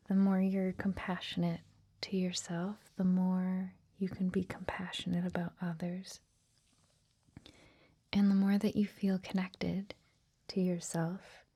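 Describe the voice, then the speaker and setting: Woman, ASMR meditation host, hushed breathy whisper, very unhurried, gentle, reassuring. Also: mid-range voice. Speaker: host of a guided meditation series.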